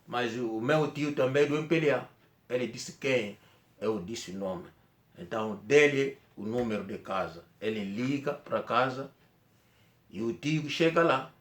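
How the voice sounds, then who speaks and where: A man from Angola with an Angolan Portuguese accent, Kikongo being his first language, telling a personal story in a rambling, halting way with many restarts. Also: mid-range voice, fairly bright tone, roomy sound. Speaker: vlogger.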